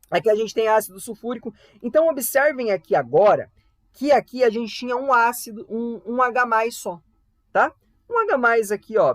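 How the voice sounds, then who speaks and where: A man's voice: high-pitched, no room sound. Young brazilian guy teaching online, chatty and playful, dry close mic sound. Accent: Brazilian Portuguese. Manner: chatty, frequent tag questions, playful asides. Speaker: volunteer chemistry tutor. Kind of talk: casual online class.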